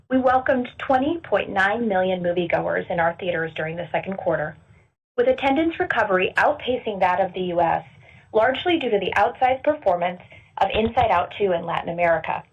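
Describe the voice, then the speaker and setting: A woman's voice: mid-range voice, breathy edge. A woman reading a scripted earnings report as a finance executive, formal and businesslike, in distant, slightly dull conference-call audio.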